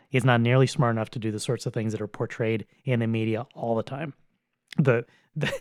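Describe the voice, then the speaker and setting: With fairly even intonation, a man is heard in a dry, close sound that has no echo. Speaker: podcast co-host. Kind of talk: casual chat. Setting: home studio microphone.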